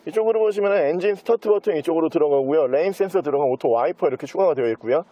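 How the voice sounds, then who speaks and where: A man giving an unscripted sales walkthrough as a used car dealer, with smooth, practised salesman patter. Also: a little high, rapid-fire, dark tone, dry recording. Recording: dull, muffled lo-fi sound.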